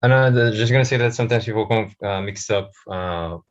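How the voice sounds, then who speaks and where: A man with a low voice chats on a video call, friendly and interested, stumbling over a few words. The sound is muffled and lo-fi, like call audio. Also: brisk. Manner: friendly, interested, some stammered repeats. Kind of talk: casual video call chat.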